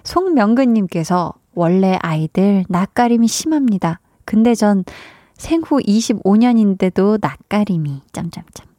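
A woman's voice: mid-range voice, expressive, normal speed, few pauses, dark tone, dry recording. Chatty woman radio host, dry studio sound. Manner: chatty, laughs often. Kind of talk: radio show chat reading listener messages.

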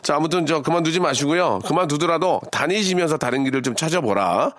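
A man's voice: on the high side, fast talker, fairly bright tone, dry recording. A man hosting a radio show, chatting playfully and straight to listeners while reading out their messages. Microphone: studio microphone.

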